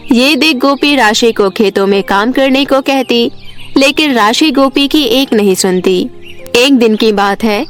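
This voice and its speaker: A woman giving scripted narration of a bedtime story for children. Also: fairly high pitch.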